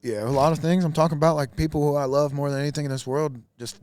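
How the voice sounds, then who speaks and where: A man's voice: a little high, fairly even intonation, racing, darkish tone, clean tone, dry recording. A man, a musician guest, talking earnestly and emphatically in a casual backstage chat.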